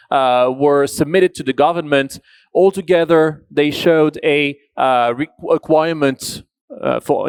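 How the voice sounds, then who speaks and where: A man with a French accent giving a plain, explanatory conference presentation, pausing often with "uh". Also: fairly high pitch, no room sound. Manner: plain, explanatory, with frequent "uh" pauses. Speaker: conference speaker.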